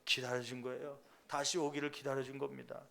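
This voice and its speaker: A middle-aged male pastor preaching a sermon, emphatic and rising to loud peaks, acting out parents and children in quoted voices. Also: mid-range voice, little pitch movement, a little fast, gravelly.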